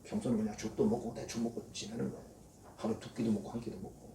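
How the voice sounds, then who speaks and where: A man's voice: lowish voice, level tone, quick pace, warm tone, a little hiss or hum. A male pastor, preaching a sermon in a folksy storytelling way and acting out quoted prayers in a mocking voice. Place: church sanctuary. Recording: echoey church hall, voice from a distance.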